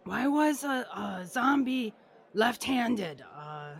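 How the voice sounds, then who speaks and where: Woman doing a gravelly zombie lady, broken English, slow halting delivery, lively pitch, crowd behind. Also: full character voice. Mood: awkward. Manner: halting, broken phrasing, sudden loud outbursts. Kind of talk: improv comedy sketch.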